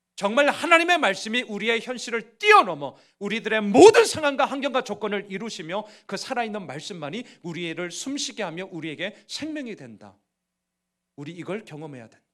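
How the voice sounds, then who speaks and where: Animated and bright, with a sharp tone, a man speaks at a high pitch and a fairly quick pace, his pitch swinging very widely and his loudness shifting greatly, on a very clean recording with a silent background. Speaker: pastor. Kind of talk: sermon.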